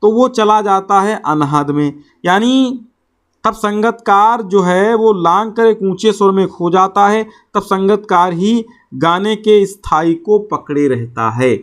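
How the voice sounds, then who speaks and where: A man's voice: sits high, takes it slowly. A man teaching in an explanatory classroom style, reading out phrases, then repeating and rephrasing them didactically. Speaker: Hindi teacher. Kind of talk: explanatory classroom lesson, reading and paraphrasing a poem.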